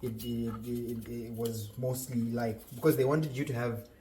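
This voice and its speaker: A man's voice: mid-range voice, moderate pace, a little hiss or hum, poor audio. A young man from Zimbabwe, a chef telling his story in a casual interview, joking and restarting his sentences. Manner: relaxed, joking, restarts often.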